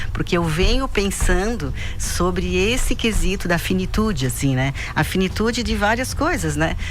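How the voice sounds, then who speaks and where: Over noticeable background noise and audible room echo, a woman talks at a moderate pace with very even loudness. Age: 60s. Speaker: psychologist. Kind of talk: radio interview.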